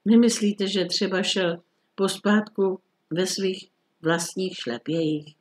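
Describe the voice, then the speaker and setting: A man voicing a nervous middle-aged townsman who speaks in an excited, trembling, insistent way. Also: high-pitched, natural voice. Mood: agitated.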